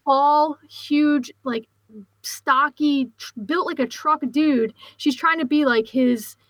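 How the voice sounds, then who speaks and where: A woman's voice: high-pitched, steady tone, slow pace, no room sound. A woman with a Philadelphia accent hosting a podcast, chatting casually and rambling with lots of fillers. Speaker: podcast host.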